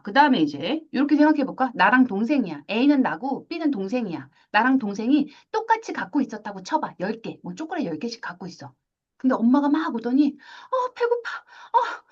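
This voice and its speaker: A woman teaching a math class, lively, asking questions and acting out little scenes. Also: fairly high pitch, muffled recording. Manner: animated, asks questions and acts out little scenes. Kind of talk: classroom lecture.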